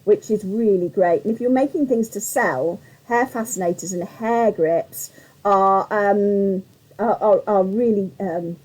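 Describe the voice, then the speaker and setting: Woman, mellow voice, slightly croaky, chatty live craft host, rambling, greets viewers. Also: medium pitch, unhurried, rough recording.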